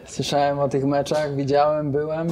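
A young man, a footballer, answering interview questions in a measured, diplomatic way. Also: on the high side, completely flat delivery, darkish tone, a little hiss or hum. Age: young adult. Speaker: footballer guest. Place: lounge in a large building.

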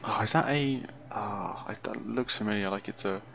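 A man with a lowish voice speaks at normal speed, giving casual first impressions of a game. He muses aloud hesitantly and often trails off, and the recording is clearly noisy.

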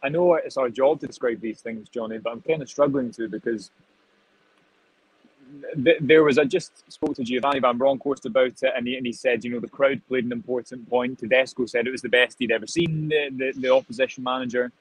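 A man's voice: medium pitch, steady tone, a little fast, slightly rough, no room sound, low-quality recording. A man in his twenties, a reporter at the stadium on a video call, reflecting on the match in a thoughtful, rambling way. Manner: thoughtful, rambling, many restarts. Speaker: football reporter, guest. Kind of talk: live reaction analysis.

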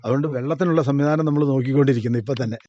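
A man's voice: medium pitch, racing, dark tone, no echo, lo-fi sound. An Idukki-accented Malayali cardamom farmer explaining his crops in a radio interview, practical and plain. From Kerala. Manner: practical, explanatory, with small restarts.

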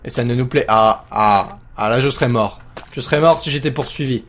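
A man commentating a horror game as he plays it, jokey and excitable, talking to himself. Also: mid-range voice, brisk, a little hiss or hum. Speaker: let's play host.

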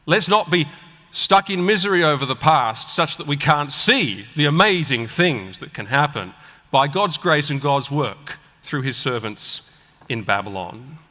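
Bright-voiced male preacher in an echoing hall. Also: on the high side, expressive. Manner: emphatic, deliberate rhetorical delivery with pauses. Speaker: preacher and guest speaker at a church conference. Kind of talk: sermon to a live audience. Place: large indoor auditorium, speaking on stage. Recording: echoey large hall with long reverb.

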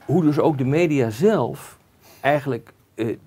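A man's voice: medium pitch, a little slow, dark tone, husky. A man speaking as an expert guest in an interview, explaining cautiously and carefully with frequent hesitations. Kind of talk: conversational interview.

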